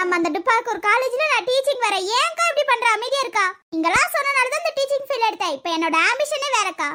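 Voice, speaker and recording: A woman puts on a cartoonish character voice at an extremely high pitch. She moves along at a fairly quick pace. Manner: bright, talkative.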